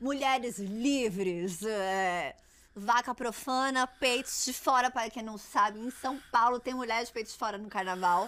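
A woman's fairly high, bright, sharp voice at a fairly slow pace, with ordinary pitch variation and big swings in loudness. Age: 30s. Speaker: podcast host. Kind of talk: casual chat. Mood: lively, humorous, frank. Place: studio. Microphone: studio mic.

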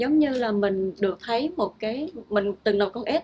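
Her pitch is fairly high. The woman's pitch varies in an ordinary way. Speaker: media personality; interviewee. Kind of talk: interview. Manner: halting. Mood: calm, reflective. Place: studio.

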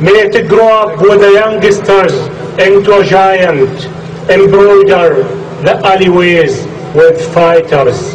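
A man with an Arabic accent and a high pitch speaks at a very slow pace, with very even loudness and fairly even intonation, amid noticeable background noise and audible room echo. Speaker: poet. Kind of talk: poetry reading. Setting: outdoor demonstration.

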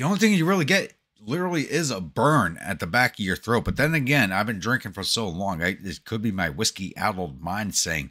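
With a New York accent, a man talks at a fairly quick pace in a bright, sharp tone and a medium pitch. His pitch swings very widely, and the recording is very clean with a silent background. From New York City. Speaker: gaming streamer. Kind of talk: casual livestream chat.

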